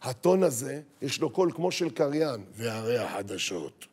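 Animated high-voiced man preaching. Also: husky. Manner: animated, acts out quoted voices, rhetorical questions. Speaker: rabbi giving a talk. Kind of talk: lively sermon to an audience.

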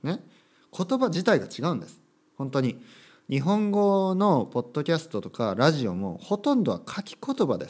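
Lively chatty man hosting a podcast. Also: medium pitch. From Kyushu, Japan. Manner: chatty, repeats phrases, acts out short dialogues. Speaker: podcast host teaching Japanese. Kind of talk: casual solo podcast talk.

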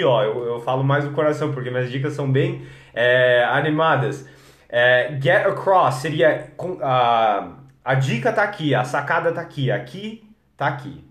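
Brazilian guy coaching english live, upbeat, a bit high voice, echoey room. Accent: Brazilian Portuguese. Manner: energetic, coaching, addresses viewers as guys. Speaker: English teacher. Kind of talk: live-streamed English lesson.

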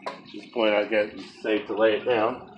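A man's voice: on the low side, level tone, moderate pace, lo-fi sound. A man in his thirties casually talking through a woodworking project as he drills and screws in his garage. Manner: offhand, talks to himself while drilling. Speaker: DIY video host. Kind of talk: casual how-to narration while working. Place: home garage and driveway, outdoors. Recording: noisy outdoor camera audio.

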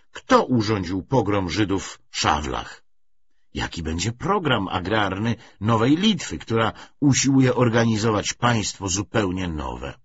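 A man reading a literary audiobook in an expressive, measured way with deliberate phrasing. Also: fairly low pitch, husky, dull audio. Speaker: audiobook narrator.

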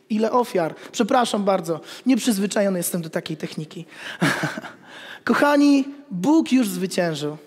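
A man in his thirties, a pastor, preaching an animated sermon with jokes, at a pulpit in a church hall. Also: extremely high pitch. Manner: animated, gestures while preaching, jokes with the congregation. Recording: long reverb of a church hall.

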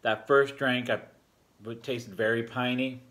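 A man in his forties gives a relaxed, rambling beer review full of fillers, talking at a table in a home bar room. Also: medium pitch, a little slow. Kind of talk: casual beer review vlog. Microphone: fixed camera at a table.

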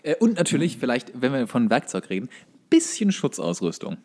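A man's voice: mid-range voice, wildly swooping pitch, fairly quick, darkish tone, slightly rough. A man co-hosting a podcast, chatting casually and off the cuff in colloquial language. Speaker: podcast co-host. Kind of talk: casual chat.

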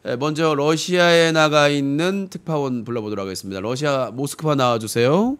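A man's voice: fairly high pitch, brisk, fairly bright tone, smooth. A man in his thirties with a sore throat, hosting a satirical live stream in a blunt, filler-heavy rant. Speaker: streaming news-comedy host. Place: small room with fish tank, indoors. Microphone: desk mic on stand, webcam framing.

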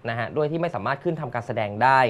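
A man's voice: medium pitch, very fast. A man hosting an entertainment gossip show, chatting casually in a playful, joking way. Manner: animated, joking, playful banter. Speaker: entertainment news host.

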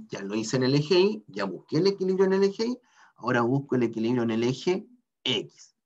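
A man's voice: mid-range voice, vocal fry, highs cut off. A man teaching a mechanics class online, working through equations step by step and often checking in with a questioning "ah?".

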